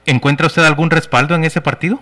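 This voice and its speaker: A man's voice: a little high, fairly even intonation, fast talker, sharp tone. A man co-hosting a radio interview, asking questions in a friendly, courteous way. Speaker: radio co-host.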